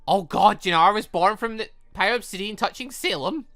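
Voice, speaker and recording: A gaming host doing a visual novel let's play, reading lines aloud and rambling through off-the-cuff reactions in an animated way. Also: mid-range voice, brisk, faint music behind.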